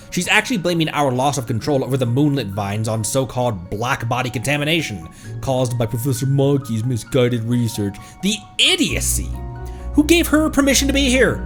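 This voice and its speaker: Speaking at a medium pitch, a man hosting a VTuber livestream reads a game's text aloud and reacts in a relaxed way. Now and then he stumbles over a word and fixes it.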